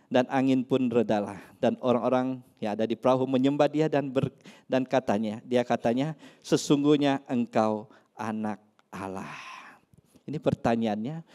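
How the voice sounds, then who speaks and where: A pastor preaching a sermon in church, swinging between loud emphasis and soft asides. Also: male voice, medium pitch.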